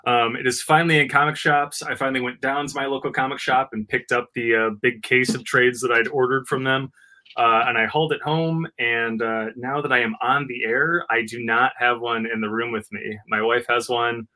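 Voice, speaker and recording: Bright-voiced man, rambling podcast co-host. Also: mid-range voice, steady tone, moderate pace. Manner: rambling, full of "uh" fillers, jokey. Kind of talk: casual podcast chat.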